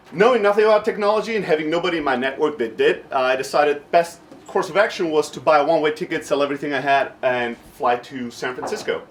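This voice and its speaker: A man's voice: mid-range voice, slight background noise. A man in his thirties from Greece, raised in southern Germany, giving an informal workshop talk in a blunt, irreverent, self-deprecating manner while jet-lagged. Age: 30s. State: jet-lagged, short of sleep.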